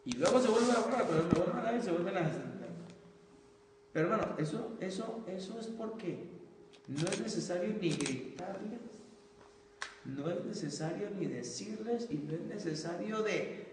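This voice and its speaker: Pastor guy teaching his teachers, earnest and chatty, kinda high voice, far off in a boomy hall. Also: expressive, moderate pace. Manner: earnest, conversational, calls listeners brother. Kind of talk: informal church teaching talk. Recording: echoey hall, distant mic, faint noise.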